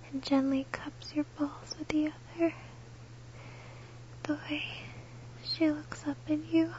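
A woman whispers throughout in a soft, breathy, unhurried hush. Her pitch sits high and barely moves, and the recording sounds a little muffled and lo-fi. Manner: slow, breathy, close whisper. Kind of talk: whispered intimate erotic audio.

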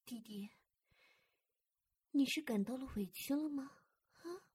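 Woman doing a super breathy husky big sis voice, slow and coaxing, whispers a lot, right up on the mic. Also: sits high, a little mellow, full character voice. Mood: soothing, tender. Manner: coaxing and soothing, often whispered. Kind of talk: intimate audio roleplay.

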